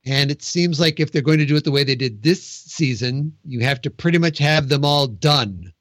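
A man hosting a casual podcast, talking conversationally with quick jokey asides. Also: fairly high pitch, a bit bright, dry recording. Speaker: podcast host. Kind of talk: casual chat.

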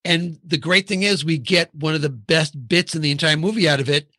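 Bright-voiced man hosting a film chat. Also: fairly high pitch, brisk, no echo, clean studio sound. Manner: leads the talk, steers topics, thinks aloud with restarts. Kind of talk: casual film discussion.

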